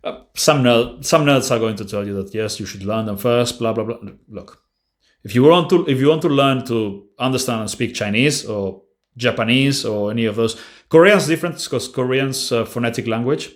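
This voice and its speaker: Here a male language-learning channel host speaks in a mid-range voice at normal speed. Fielding viewer questions in a relaxed Q&A, he is blunt and offhand and frequently starts sentences over.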